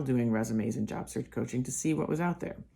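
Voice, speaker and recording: A woman talks with an American accent. Her intonation is lively. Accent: New Jersey (occasional). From New Jersey. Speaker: executive resume writer. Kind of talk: personal story reading.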